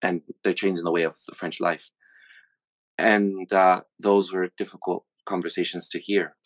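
A man in his thirties from the USA talks through his thoughts in casual conversation, often stalling on fillers and restarting his sentences. His voice sits a little low. The recording is dry, with no room sound. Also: level tone, moderate pace, no echo. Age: 30s. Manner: hesitant, many fillers and restarts.

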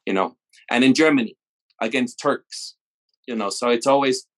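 A Mexican man chats casually, telling stories in a rambling way, laughing and frequently cutting himself off mid-sentence. He speaks at medium pitch and a moderate pace.

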